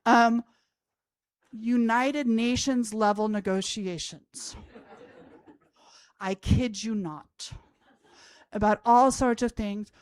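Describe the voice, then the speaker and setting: Wry and self-mocking, an Austrian language professor in her fifties entertains a college audience from the stage with a personal anecdote. Her slightly mellow voice is on the high side, and there is no room sound.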